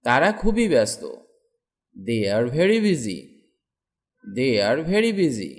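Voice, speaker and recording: Male English tutor, slow drill delivery, lively rising and falling pitch, each sentence said twice. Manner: reads each English sentence slowly twice after the Bengali one. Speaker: English teacher.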